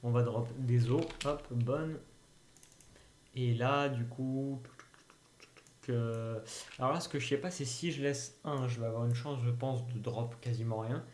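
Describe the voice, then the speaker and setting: A French man with a mid-range, slightly mellow voice records a casual screen tutorial for his YouTube channel, speaking a little slowly and thinking aloud with frequent hesitations and fillers. The roomy home recording carries a little hiss or hum.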